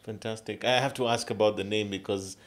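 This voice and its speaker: A man from Kenya hosts a podcast interview, introducing his guests and steering the talk with lively, affirming remarks. His voice sits somewhat low. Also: fairly quick. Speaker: podcast host.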